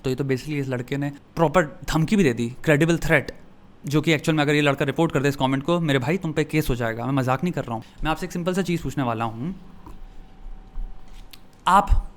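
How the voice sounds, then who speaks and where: A young Indian man with a slightly higher voice than most men, chatting in a friendly, conversational way. He slips English phrases into his Hindi and speaks to the listener like a friend. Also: brisk. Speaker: YouTube commentator. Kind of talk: casual talk to camera, reading comments aloud.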